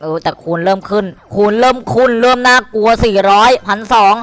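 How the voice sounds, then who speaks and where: A man giving excited, crude commentary while streaming a slot game, cursing and pleading at the screen. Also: high-pitched, a little fast, dry recording.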